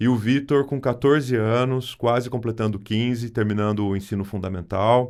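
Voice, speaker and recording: A medium-pitched man speaks at a moderate pace with fairly even intonation. He leaves hardly any pauses. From Brazil, interior of São Paulo state (Santa Bárbara d'Oeste). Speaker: pastor. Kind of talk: casual chat.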